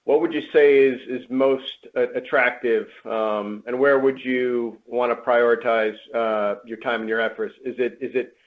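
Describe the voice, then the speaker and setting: A man's voice: mid-range voice, fairly even intonation, unhurried, few pauses. A man asking a question as a financial analyst on an earnings call. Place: phone call. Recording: thin, tinny phone line.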